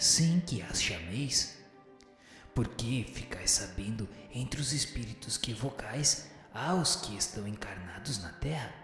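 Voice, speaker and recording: A man voicing a wise, patient spirit teacher in a radio drama, answering in a formal, didactic, measured way. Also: on the low side, fairly bright tone. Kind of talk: scripted radio drama reading of a spiritual text. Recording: very echoey hall-like reverb with music behind.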